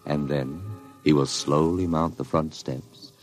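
Deep-voiced male narrator, rises and falls dramatically, slow foreboding delivery, faint music. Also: steady tone. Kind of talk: ominous 1950s radio narration.

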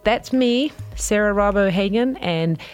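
A woman's voice: mid-range voice, unhurried. A middle-aged woman with a New Zealand accent, telling candid, upbeat stories about her career in a casual way. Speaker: guest, company CEO. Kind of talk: casual storytelling.

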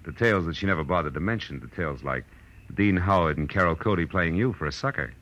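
A man's voice: sits low, expressive, quick pace, fairly bright tone, highs cut off. A man playing a tough, wry private detective in 1940s radio drama style, with clipped, slangy delivery. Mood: wry, hard. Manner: clipped, slangy, hard-boiled. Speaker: actor playing the lead and narrating. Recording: old radio recording with music.

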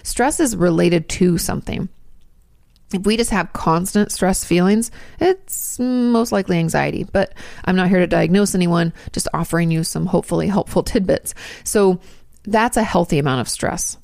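A woman's voice: fairly low pitch, moderate pace, gravelly, a little mellow, no echo, studio quality. A woman in her thirties hosting her channel, answering viewer questions in a chatty, rambling way with asides and restarts. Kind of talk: casual advice talk.

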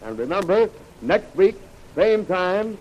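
Man, American, old radio announcer, high voice, dramatic declamation, muffled noisy vintage recording. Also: big pitch swings, slow pace, a little mellow. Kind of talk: old-time radio announcer delivery, scripted.

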